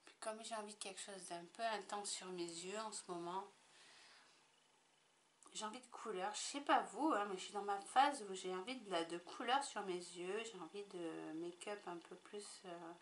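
A woman's voice: mid-range voice, moderate pace, a little hiss or hum. Chatty woman rambling through a makeup tutorial. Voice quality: chatty, rambling, lots of fillers and restarts. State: tickly throat. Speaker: makeup vlogger. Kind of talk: casual makeup tutorial chat.

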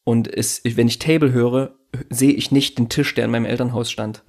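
A man's voice: mid-range voice, steady tone, normal speed, a little mellow. A man hosting a casual podcast, talking in his native German in a reflective, rambling way with restarts and fillers. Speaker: podcast host.

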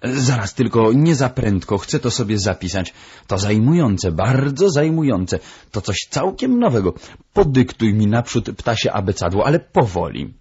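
A man voicing an eager, kindly middle-aged male doctor who gets excited, in a storybook audiobook. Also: deep voice, a little slow, few pauses, slightly rough, highs cut off, full character voice.

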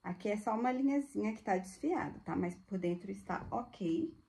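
A woman's voice: medium pitch, animated, moderate pace, vocal fry, dark tone, slight background noise. Woman, chatty thrift seller, gushing casual showcase. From Brazil. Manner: chatty, gushing, addresses viewers as girls. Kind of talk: casual live product showcase.

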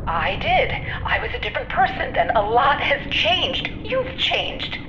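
An actress playing a bitter, defiant admiral's wife in an audio drama, scornful and emotional, as if over a radio link. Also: female voice, high voice, sing-song, unhurried. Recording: dull, noisy, echoing radio transmission.

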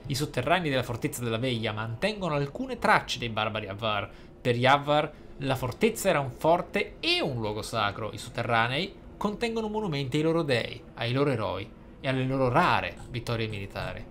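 A man's voice: medium pitch, big pitch swings, brisk, hardly any pauses, fairly bright tone. Man reading aloud over noticeable background noise. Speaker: gaming YouTuber. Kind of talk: reading game journal aloud in a roleplay let's play. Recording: clear background game ambience noise.

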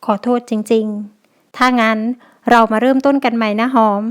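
A woman reading the lines of a remorseful, devoted young husband in an audio novel, speaking softly and pleadingly. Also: a little high, steady tone, normal speed, close to an everyday voice.

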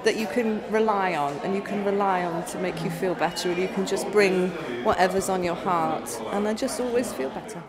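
A woman speaking gently and from the heart about what church gives her. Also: medium pitch, a little fast, hardly any pauses, crowd noise. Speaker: churchgoer, mother. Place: church hall.

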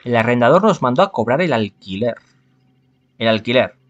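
A man's voice: medium pitch, animated, normal speed, highs cut off. A man from reads a visual novel aloud, adding casual, wry commentary as he goes. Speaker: gaming streamer.

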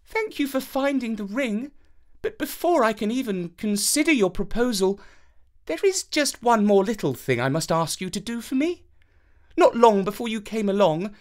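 A woman's voice: fairly high pitch, voice pushed up. A woman voicing a cool, haughty young fairytale princess with prim, polite manners.

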